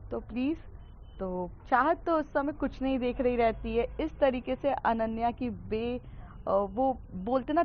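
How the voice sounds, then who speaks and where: A woman narrating a story casually, chatty and loose, with frequent filler pauses and English words mixed in. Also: fairly high pitch, lo-fi sound.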